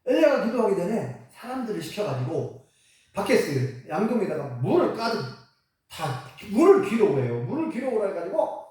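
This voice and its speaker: Lively woman preacher, storytelling sermon, voice swinging up and down, recorded from far back in a very echoey church. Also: medium pitch, brisk. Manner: animated, asks the congregation questions, acts out quotes. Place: church sanctuary.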